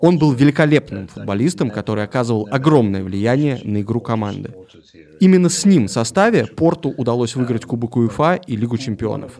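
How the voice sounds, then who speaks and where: A man talks at a fairly quick pace in a plain, everyday voice. His pitch sits in the medium range, and his intonation is lively. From Russia, Moscow. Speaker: podcast co-host. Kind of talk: casual chat.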